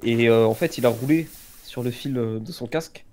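A man's voice: mid-range voice, moderate pace, a little mellow. Chatty gamer man. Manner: chatty, jokey, gives gear advice. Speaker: let's play co-host. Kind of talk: casual gaming chat.

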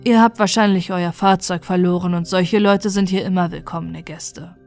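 A woman's voice: fairly low pitch, steady tone, moderate pace, darkish tone, faint music behind, lightly acted. Woman reading a friendly, welcoming skipper. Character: friendly, hospitable seafaring skipper, a man.

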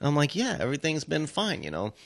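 A man's voice: a little high, huge pitch swings, fast talker, gravelly, a bit bright, no echo. A man telling stories in a casual, rambling podcast chat, with lots of swearing and "like" thrown in. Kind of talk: casual profane storytelling chat.

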